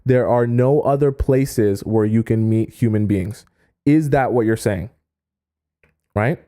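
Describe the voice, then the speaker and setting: A man giving dating advice on a livestream, stressing key points with deliberate pauses and reading viewer chat aloud. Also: medium pitch, warm tone. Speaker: dating coach.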